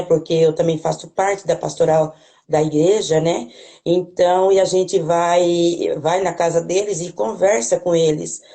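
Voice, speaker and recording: A woman's voice: on the low side, dark tone. A woman with a rural Brazilian accent, talking in a hesitant way with many restarts and tag questions, speaking as a guest on a video call. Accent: Brazilian Portuguese, rural. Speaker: guest, parish worker. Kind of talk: casual conversation, hesitant.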